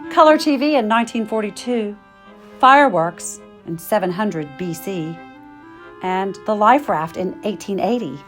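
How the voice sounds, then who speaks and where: A middle-aged woman reading a children's picture book aloud with expressive, emphatic phrasing for young listeners. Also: medium pitch. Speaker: storytime reader.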